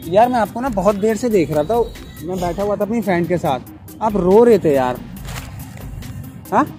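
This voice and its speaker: A man's voice: high voice, lively intonation, normal speed, darkish tone, faint music behind. A young man hosting a prank video in a park, chatting casually and coaxing with constant "yaar". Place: outdoor park.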